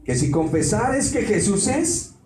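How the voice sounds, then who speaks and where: Pastor preaching in an echoey hall. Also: male voice, high voice, big pitch swings, a little slow. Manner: preaching with rhetorical questions to the congregation. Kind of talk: sermon. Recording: roomy hall, mic at a distance, faint noise.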